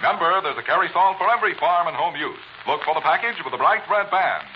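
A man's voice: fairly high pitch, big pitch swings, fast. An American man reading an old-time radio advertisement as an emphatic, salesmanlike announcer. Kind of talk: 1940s radio advertising read. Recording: dull old radio recording, faint noise.

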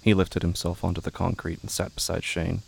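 A man reading scripted, literary narration for a horror audio drama in a measured, brooding way. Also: low-pitched, little pitch movement, vocal fry, darkish tone, husky.

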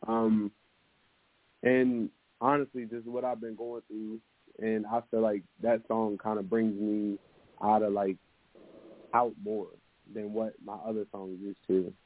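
A man with a deep voice answering interview questions about his music in a relaxed, hesitant way, with lots of fillers and restarts. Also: measured pace. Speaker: musician guest. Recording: dry, narrow phone-like sound.

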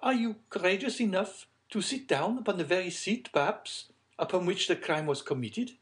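A man's voice: high-pitched, moderate pace, fairly bright tone, pitched above the performer's own voice. A man voicing a haughty, sly society lady in a storybook, genteel and pointed in manner. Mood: needling.

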